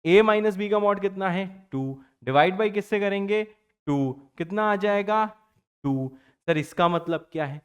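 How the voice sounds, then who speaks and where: A man teaching math in a lively recorded lecture, playing both teacher and student in his own voice, chatty and full of catchphrases. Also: measured pace, clean tone. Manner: chatty, fond of catchphrases like "bachcha party"; lively pitch swings, drops low for student replies. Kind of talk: exam-prep math lecture.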